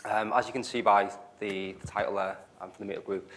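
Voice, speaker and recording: A man's voice: on the low side, fairly even intonation, a little fast, fairly bright tone. A man with a Liverpool accent presenting a tech talk to a meetup audience, hesitant, with many fillers. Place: meetup venue, live audience. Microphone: handheld mic.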